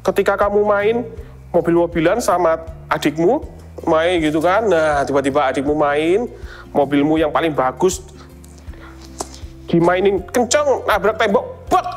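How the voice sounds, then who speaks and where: Low-voiced woman teaching a children's service. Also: measured pace, long pauses, soft background music. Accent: Indonesian. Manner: animated, acts out kids' whiny voices in high pitch. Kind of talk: children's sermon.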